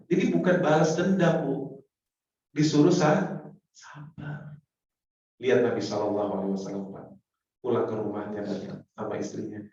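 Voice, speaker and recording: A man preaches a sermon to a congregation, calling out to the men and women in it and acting out short exchanges between spouses. His voice rings through a very echoey hall and is picked up from some distance, so it sounds muffled and roomy. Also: medium pitch. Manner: lively, addresses the congregation directly, acts out little dialogues. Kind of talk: Islamic sermon on marriage.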